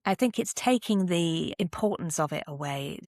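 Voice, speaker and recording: Middle-aged British woman, lowish pitch, reflective, articulate, conversational interview tone, very dry recording. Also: expressive, normal speed, a little mellow, dry recording. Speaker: podcast guest, actor and voice artist. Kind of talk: conversational interview, sharing advice.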